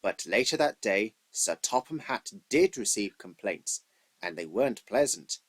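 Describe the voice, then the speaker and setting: Husky male storybook narrator. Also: lowish voice, expressive, measured pace. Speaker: narrator of a children's train story. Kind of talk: scripted storybook narration, read in takes.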